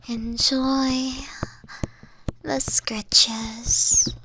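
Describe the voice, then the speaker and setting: A woman playing a caring, teasing witch girlfriend in a soft, close ASMR roleplay, tender and coaxing, often dropping into breathy whispers. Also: fairly high pitch, flat delivery, very slow, noisy background. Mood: tender, soothing. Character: caring, teasing young witch girlfriend soothing her lover. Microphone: close microphone.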